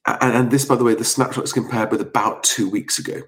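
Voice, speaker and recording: A man hosting an informal live stream, speaking quietly at night into a close microphone so as not to wake sleeping children, with a slight cold. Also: medium pitch, steady tone, fast. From Sussex, England.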